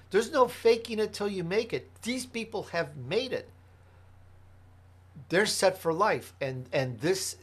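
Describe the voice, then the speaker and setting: A man's voice: fairly high pitch, a bit bright, husky. A man from Chicago, a podcast host answering interview questions in an earnest, emphatic way, building his points through lists. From Chicago, United States.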